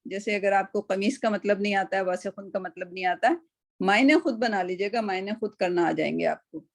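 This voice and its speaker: A woman teacher leading an online class over a video call, relaxed and conversational. Her voice carries a gravelly, creaky edge at a mid pitch. She slips English words into her talk and keeps checking that her students follow. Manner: casual, chatty, mixes English into speech, keeps asking "right?". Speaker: Quran and Arabic teacher.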